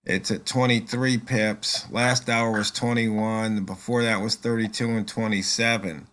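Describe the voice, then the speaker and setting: A man's voice: lowish voice, little pitch movement, a little slow, a bit bright. A man in casual conversation on a call, thinking aloud with frequent "um" and "uh" and reaching for analogies. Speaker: trader.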